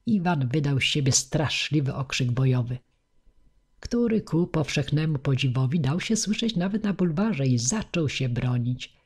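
A woman narrating an audiobook in a measured, expressive reading. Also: deep voice, breathy edge. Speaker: audiobook reader.

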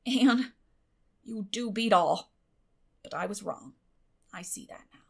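A woman voicing a stern, plain-spoken older spinster with a brisk, firm manner in a storybook reading. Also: medium pitch, lively intonation, creaky, breathy edge, heavily acted. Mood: contrite. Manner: brisk, firm, matter-of-fact.

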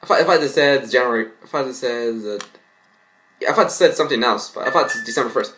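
A young man reads a story aloud and comments on it, haltingly, often tripping over his words. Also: mid-range voice, a bit bright, a little hiss or hum. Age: young adult. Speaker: vlogger. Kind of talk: reading fan fiction aloud with mocking commentary. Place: small bedroom indoors.

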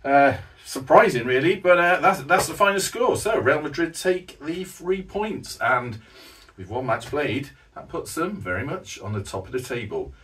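A man, the host, commentating his own tabletop football game play by play, excitable and jokey with sudden loud outbursts, out of breath from the heat. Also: a little high, normal speed, recorded from a distance. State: out of breath, hot.

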